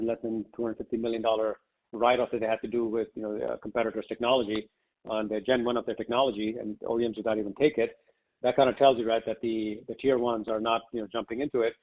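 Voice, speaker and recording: A man speaking as a company executive, answering questions off the cuff on an investor conference call in a conversational way peppered with "you know". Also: mid-range voice. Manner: conversational, often says "you know" and "right". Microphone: conference call line. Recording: slightly muffled conference call audio.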